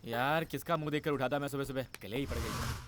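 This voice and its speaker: An actor playing a short-tempered young male hotel owner who scolds and shouts orders, in a dubbed film. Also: mid-range voice, fast, natural voice. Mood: annoyed. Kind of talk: Hindi film dub acting. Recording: film dub with music behind.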